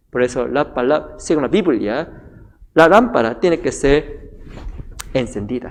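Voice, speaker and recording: Speaking fairly slowly, a man talks with a non-native accent. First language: not Spanish (speaking Spanish). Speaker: pastor. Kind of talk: sermon. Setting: church. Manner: halting, with many filler sounds.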